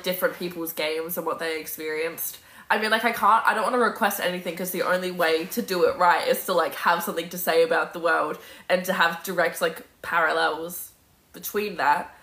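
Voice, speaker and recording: A woman's voice: lowish voice, a bit bright. A woman in her twenties chatting casually on a livestream, answering comments in an emphatic, sweary, opinionated way. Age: 20s. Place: indoor room at home with bookshelf. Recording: roomy echo from phone mic.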